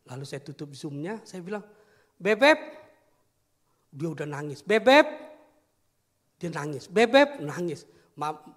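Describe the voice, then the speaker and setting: High-voiced male pastor preaching. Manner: animated storytelling, acts out voices in a story. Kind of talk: sermon. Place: church hall. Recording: long hall reverb.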